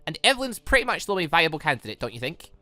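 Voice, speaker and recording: A woman voicing an earnest, clinical robot girl in a game, with precise, formal, measured speech. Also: low-pitched, sing-song, sharp tone, dry recording, soft background music, exaggerated voice.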